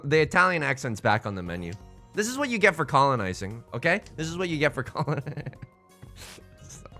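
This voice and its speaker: A man streaming live, chatting casually with viewers in an animated, jokey way, often restarting and repeating his words. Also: on the high side.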